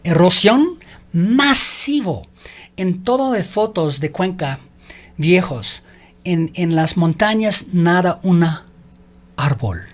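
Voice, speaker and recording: On a studio microphone, a radio interview guest whose first language is English struggles through learner Spanish, falling back on English fillers. He is a man with a high-sitting voice and lively intonation.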